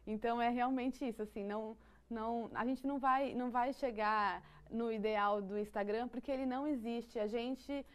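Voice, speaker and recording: A woman with a Brazilian Portuguese accent talks through ideas in a relaxed conversation. Her voice sits a little high, and she pauses and restarts often as she thinks. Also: clean tone. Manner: thoughtful, many restarts and fillers, laughs lightly. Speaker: psychology guest. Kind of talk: conversational explanation.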